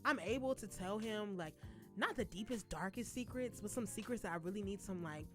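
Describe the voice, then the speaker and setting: A young woman co-hosting a casual college radio chat, animated and quick to laugh, full of slang. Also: mid-range voice, faint music behind. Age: young adult. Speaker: co-host. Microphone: studio mic.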